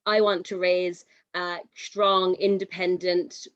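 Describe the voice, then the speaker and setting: A woman's voice: lowish voice, flat delivery, slow pace, fairly bright tone, clean tone, no echo, dull audio. A woman finance director speaking on a video call, reflective and self-deprecating with some hesitation.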